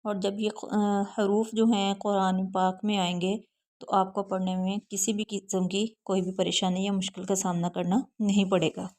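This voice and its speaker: A woman teaching Quran reading in Urdu with a South Asian accent, spelling out letters slowly one by one and then explaining the rules quickly. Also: medium pitch, little pitch movement, darkish tone. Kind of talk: slow syllable-by-syllable recitation lesson.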